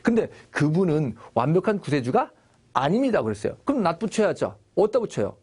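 A man's voice: on the high side, very animated, brisk, a little mellow, husky. A male English teacher giving a Bible-based grammar lesson, asking the class questions and answering them himself.

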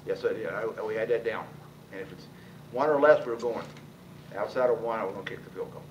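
A man in his sixties, a head football coach, answering at a post-game press conference, talking quickly with many restarts and repeated words. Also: lowish voice, highs cut off. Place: press room with sponsor backdrop. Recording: distant mic, noisy press room.

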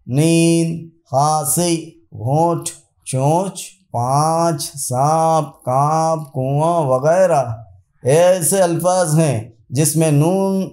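A man teaching an Urdu spelling and pronunciation lesson, explaining slowly and repeating example words one by one. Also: a little high, darkish tone, reverberant. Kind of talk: spoken grammar lesson.

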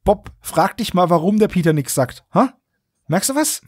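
Casual male podcast host, slightly high-pitched, colloquial recapper with mock outrage, dry studio-like sound. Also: expressive, normal speed, breathy edge, dry recording. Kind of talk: casual chat, recapping and commenting on an audio drama.

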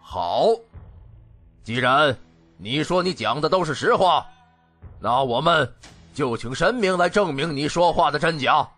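An actor playing a stern, imperious, quick-to-anger king in an ancient fantasy audiobook drama, cold and commanding. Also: a little high, lively intonation, a bit bright, faint music behind. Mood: angry, imperious. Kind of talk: Chinese audiobook drama acting.

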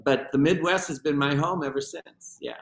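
A man's voice: a little high, moderate pace, gravelly. Reflective older man, echoey room. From Argentina. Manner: reflective, hesitant with many fillers. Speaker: guest, film teacher. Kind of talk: interview answers. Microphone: webcam on video call.

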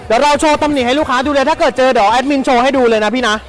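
A live-stream seller makes a fast, hyped pitch for second-hand clothing, chatty and persuasive, repeating phrases for emphasis.

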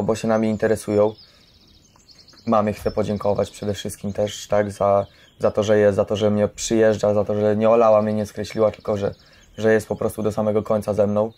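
A young man speaking candidly and personally, halting and repeating himself as he reflects. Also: fairly low pitch, dark tone. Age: young adult. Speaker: participant in a youth centre audio documentary.

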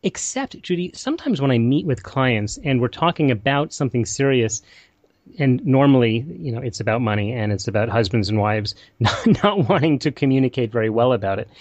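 A man's voice: mid-range voice, darkish tone, no echo. A man hosting a financial radio show, rambling and poking fun at himself as he introduces a guest. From Israel. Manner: rambling, self-deprecating, stumbles over words.

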